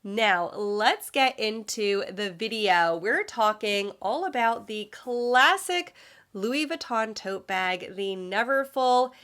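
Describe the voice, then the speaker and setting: A woman's voice: fairly high pitch, lively intonation, takes it slowly, a bit bright. Woman with a stuffy nose from a cold. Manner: polished, informative, friendly. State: nasal from a cold. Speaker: luxury fashion vlogger. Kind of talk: scripted vlog presentation.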